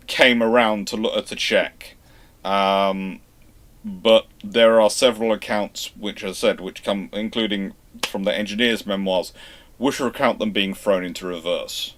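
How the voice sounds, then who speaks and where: A man hosting a livestream, chatting casually as he answers listener questions in an animated storytelling way. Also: lowish voice. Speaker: host of a naval history livestream.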